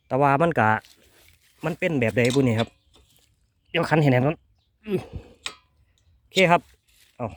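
A man with an Isan accent hosting a casual hands-on demo, talking excitedly and repeating his words as he tests an engine. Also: fairly high pitch. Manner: excited, repeats words, exclaims over results. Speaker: video host.

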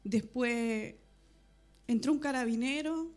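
A woman tells her story at a church meeting, speaking softly and earnestly. Her voice sits high, and faint music hums behind her. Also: slow. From Chile. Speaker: church member giving testimony. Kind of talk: personal church testimony.

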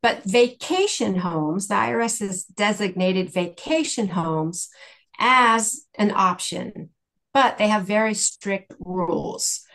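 A woman guest speaker answering questions in a measured, careful, explanatory way. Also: medium pitch, animated, fairly bright tone. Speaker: guest speaker, tax exchange specialist.

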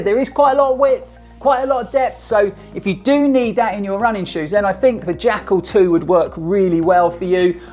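Energetic middle-aged male reviewer, chatty to camera, faint music bed. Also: high-pitched. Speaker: running shoe reviewer. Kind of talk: upbeat gear review to camera. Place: small home studio, indoors.

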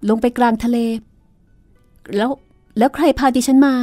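A woman's voice: a little high, fairly even intonation, moderate pace, a little mellow, no room sound, faint music behind, pitched above the performer's own voice, lightly acted. A woman voicing a frightened young woman who pleads earnestly in a radio-style story reading. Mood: pleading.

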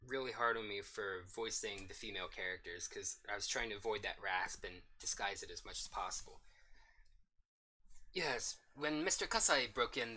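A young man talks loosely through a game stream, his voice bright but worn hoarse. He rambles and thinks aloud with plenty of ums. A faint hiss sits under the mic. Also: on the low side. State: hoarse, coughing. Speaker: streamer reading a visual novel aloud. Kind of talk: casual let's-play commentary.

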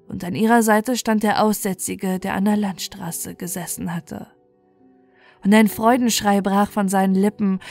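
A woman's voice: mid-range voice, creaky, a little mellow. A woman storyteller reading a scripted fairy tale as bedtime narration. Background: music.

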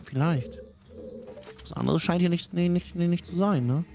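A man's voice: high voice, moderate pace, creaky, mellow, faint music behind. A man from northern Germany giving casual, colloquial gaming commentary as a teasing backseat co-host, often repeating himself. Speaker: co-host of a gaming let's play, backseat advisor.

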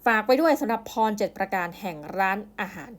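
A woman's voice: expressive, fast. Chatty woman retelling a novel. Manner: chatty, acts out characters' lines with raised pitch. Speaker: podcast host reviewing a novel. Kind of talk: casual book review retelling the plot.

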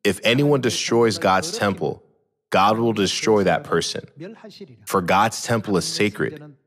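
Deep-voiced man preaching from a pulpit. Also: a bit bright. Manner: measured, asks rhetorical questions and answers them. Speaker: pastor. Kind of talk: sermon. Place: large church hall, at a pulpit. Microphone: podium microphones.

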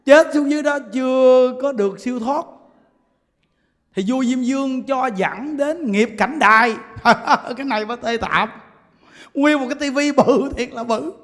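A man gives a Buddhist sermon in a very high voice. He tells stories in an animated way and keeps breaking into laughter. Long reverb from a large hall trails after his words. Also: normal speed. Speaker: Buddhist preacher.

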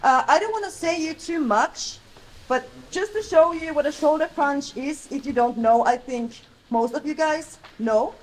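A woman in her thirties from Finland with a Finnish accent, teaching a live jiu-jitsu technique class in a loud, plain, halting way. She is recorded by a far camera in a large, bright mat hall with windows. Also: sits high.

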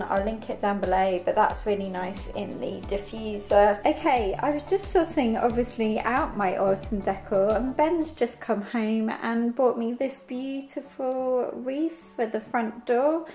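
A woman's voice: a little high, dark tone, rough recording. A young British woman vlogging from her living room, chatting casually and upbeat about home decor. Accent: British English. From United Kingdom. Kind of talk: casual home vlog chat.

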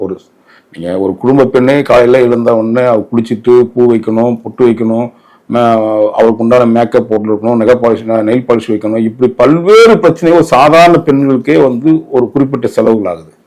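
A man's voice: mid-range voice, fairly quick, darkish tone. A man with a Tamil Nadu accent giving opinionated interview commentary in an emphatic, indignant way, often posing rhetorical questions.

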